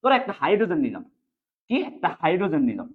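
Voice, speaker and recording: A man teaching chemistry in an online exam-prep class, drilling students with quick repeated questions. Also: a little high, sing-song. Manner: fast, repetitive question-and-answer drilling. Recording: phone-like narrow sound.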